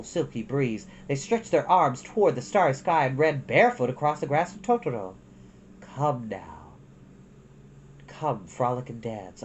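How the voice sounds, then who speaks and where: A woman with a low voice reads a children's story aloud. Her intonation swings widely as she tells it in a dramatic, unhurried way. Some noise sits behind her. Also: darkish tone. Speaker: storytime host reading a book aloud. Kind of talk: expressive children's storybook narration.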